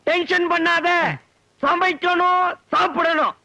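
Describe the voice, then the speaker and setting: A pompous, eccentric office manager in a 1980s film comedy. His very high, sharp voice sounds dry and close. He fusses and intones his pet phrases over and over. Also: expressive, moderate pace, no room sound, heavily acted, low-quality recording. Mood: fussy. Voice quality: fussy and mock-solemn, repeating stock phrases.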